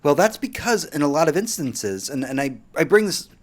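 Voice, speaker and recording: A man's voice: fairly high pitch, sing-song, fairly quick. Rambling male podcast host. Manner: rambling, restarts often, steers discussion. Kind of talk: casual panel chat.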